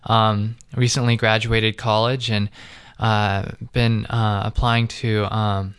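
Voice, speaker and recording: A man's voice: lowish voice, level tone, slow pace, a bit bright, clean tone, no room sound, clean studio sound. A young man in his twenties from the United States, a guest introducing himself hesitantly with many fillers. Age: 20s. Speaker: guest, seminary applicant.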